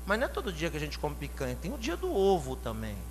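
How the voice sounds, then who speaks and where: A man from São Paulo with a São Paulo Portuguese accent, preaching a sermon, questioning the congregation and building to loud shouted climaxes. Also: a little high, wildly swooping pitch, fast talker. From São Paulo, Brazil. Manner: asks the congregation direct questions. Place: church hall. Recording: long hall reverb, faint hum.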